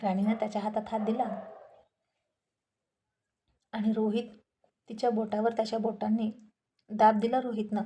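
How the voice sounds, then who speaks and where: A woman storyteller narrating a romantic serial story in a calm, measured way. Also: fairly high pitch, a little hiss or hum.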